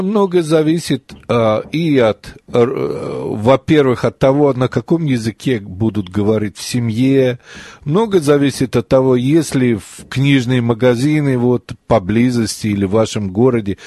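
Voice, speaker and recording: Radio host guy, middle-pitched, steady and deliberate, dry close studio mic. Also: no room sound. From former Soviet Union. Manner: measured, deliberate, with fillers. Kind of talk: radio talk show interview.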